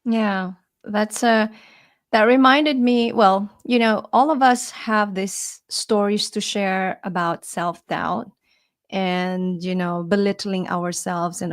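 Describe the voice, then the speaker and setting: A woman's voice: mid-range voice, smooth. Earnest woman coach reflecting aloud. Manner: reflective, earnest, with soft laughs. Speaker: life coach and co-host. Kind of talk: casual conversation on a live show.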